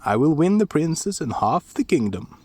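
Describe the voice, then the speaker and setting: A man voicing a cheerful young farm boy hero, calling out excitedly in a high, sing-song voice. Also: moderate pace, breathy edge.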